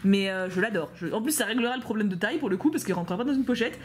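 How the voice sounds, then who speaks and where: In a casual unboxing vlog with slight background noise, a young French woman opens fan mail and talks to her viewers at a fast clip in a medium-pitched voice. She's gushing and excitable, repeats words as she stammers, and adds teasing asides.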